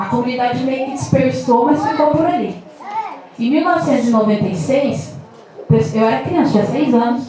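A woman with a high pitch and lively intonation speaks at a fairly slow pace with long, frequent pauses. Noticeable background noise and audible room echo fill the recording. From Paraná, Brazil (quilombola community). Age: 20s. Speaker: activist and law student. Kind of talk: talk to a community audience.

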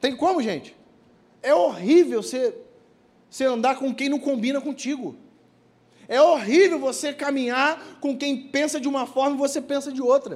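An extremely high-pitched man, animated in tone with ordinary pitch variation and long, frequent pauses, on a very clean recording with a silent background. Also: moderate pace. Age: 30s. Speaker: pastor. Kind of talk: sermon. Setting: church.

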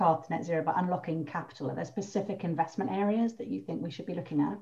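Vocal fry runs through this voice, which carries lively intonation. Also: woman. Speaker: interviewer, sustainability director. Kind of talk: interview, webinar Q&A.

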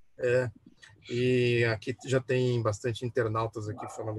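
The voice is somewhat breathy and moves at a moderate pace, with a dry, close sound with no echo. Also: man. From Maringá, Paraná, southern Brazil. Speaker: interviewer, online channel host. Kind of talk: political interview. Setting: live online broadcast.

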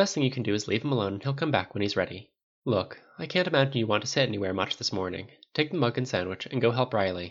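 An unforced reading voice with lively intonation over a quiet background.

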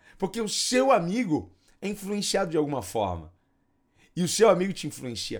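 Lively intonation and an animated tone at a moderate pace, broken by long, frequent pauses, on a very clean recording with a silent background. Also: man, high pitch for a man. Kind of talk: motivational sermon-style monologue.

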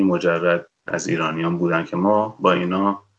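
A man's very deep, low voice at a moderate pace. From Iran, Rasht (Gilan). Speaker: mechanical engineer and part-time journalist. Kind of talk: casual interview.

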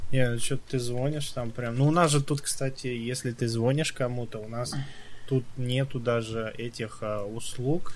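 A man at medium pitch and a moderate pace. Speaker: podcast co-host. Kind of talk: casual chat.

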